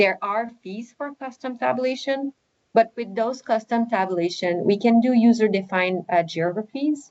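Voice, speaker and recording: A woman speaks with a French-Canadian accent at a fairly high pitch. Her loudness swings a lot. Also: ordinary pitch variation, moderate pace. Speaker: statistician presenting data. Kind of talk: webinar presentation.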